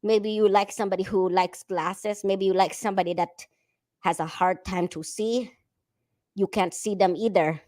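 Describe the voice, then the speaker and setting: A woman putting on a chatty disguise persona with a fake foreign accent, exaggerated, halting and repetitive, in casual livestream talk. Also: medium pitch, steady tone, darkish tone, close to an everyday voice. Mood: coaxing. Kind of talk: casual livestream chat in a put-on voice.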